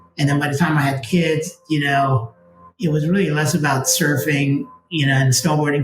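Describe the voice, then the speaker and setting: A man's fairly high voice at a moderate pace, with fairly even intonation and music in the background. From Michigan. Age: 70s. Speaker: business founder and CEO. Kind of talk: interview. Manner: relaxed, conversational with many fillers.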